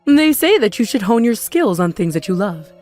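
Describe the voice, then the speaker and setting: A woman plays a smug, scheming middle-aged mom in a comic dub. She wheedles and gloats theatrically, with pitch that swings widely, over background music. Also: big pitch swings, normal speed, a little mellow, close to an everyday voice. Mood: wheedling.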